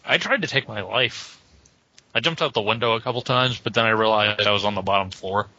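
A male podcast co-host making deadpan jokes in a casual chat. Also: on the low side, brisk, dry recording, dull audio.

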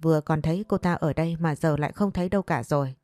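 A woman's voice: low voice, fast, darkish tone, dry recording, studio quality, close to an everyday voice. A woman voicing an older female exorcist who gives orders but is easily rattled. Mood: flustered. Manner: commanding then flustered. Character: older female exorcist, bossy then panicky.

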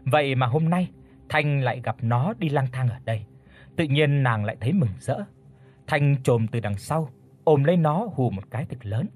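A man narrating an audiobook story with a steady, even reading. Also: mid-range voice, moderate pace, faint music behind.

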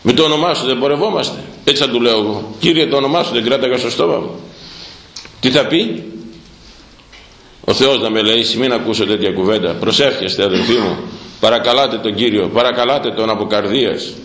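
A middle-aged priest delivering a sermon, dramatic and repetitive, his pitch swinging from high to low. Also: fairly bright tone, roomy sound, low-quality recording. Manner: dramatic, repeating words for emphasis, swinging pitch. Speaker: Orthodox priest.

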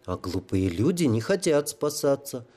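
A man's voice: mid-range voice, very animated, moderate pace, mellow, husky, pitched above the performer's own voice. A man voicing a tearful, simple-minded holy fool who talks about himself like a child. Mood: plaintive. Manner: childlike pleading, stuttering.

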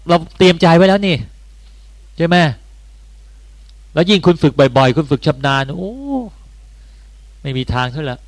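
A man's voice: on the high side, normal speed, pauses often, no room sound. A man, a Buddhist monk, giving a conversational dharma talk with bursts of rising emphasis.

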